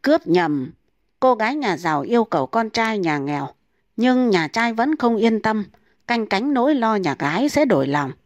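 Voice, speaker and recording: A woman's voice: a little high, sing-song, normal speed, no room sound, muffled recording. Woman reading funny folk tales, dry sound. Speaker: storyteller.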